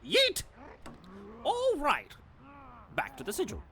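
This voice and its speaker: A man playing an excitable, affectionate, goofy rescuer in an audio drama, flippant and exclaiming. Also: extremely high pitch, slow pace, creaky, slight background noise, exaggerated voice. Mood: gleeful.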